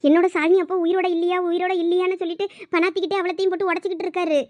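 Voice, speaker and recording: Very high-pitched woman with a Thoothukudi Tamil accent. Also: level tone, very fast, darkish tone, no echo. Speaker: voice of all female characters. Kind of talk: cartoon voice acting.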